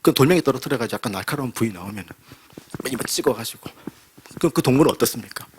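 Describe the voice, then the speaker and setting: A man, a pastor, preaching a sermon with vivid storytelling and rhetorical questions, dropping to a hush and rising again. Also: mid-range voice, expressive, very fast, slight background noise. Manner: dramatic storytelling, rhetorical questions, swings between loud and hushed. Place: church sanctuary.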